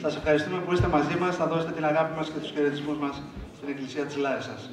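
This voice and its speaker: A man's voice: a little high, steady tone. A man acting as emcee at a church dinner, formally thanking guests and introducing the next speaker. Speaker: event emcee. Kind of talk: emcee announcements. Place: hall at a church dinner gathering. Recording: echoey hall from far off with a crowd.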